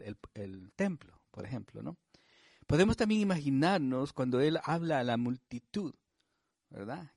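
A man's voice: mid-range voice, darkish tone, no echo, studio quality. Conversational man preaching a sermon. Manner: conversational, frequent tag questions and fillers; reads scripture slowly and with emphasis. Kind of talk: sermon, Bible study teaching.

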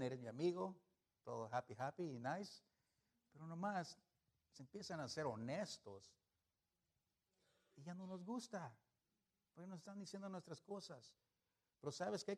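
A man with a voice on the high side gives an animated sermon. He shifts between booming emphasis and gentle asides, asking the congregation questions he doesn't expect answered.

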